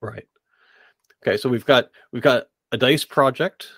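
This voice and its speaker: A man hosting a podcast in casual interview chat, halting and repeating words as he puts his questions together. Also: mid-range voice, fairly bright tone, dry recording.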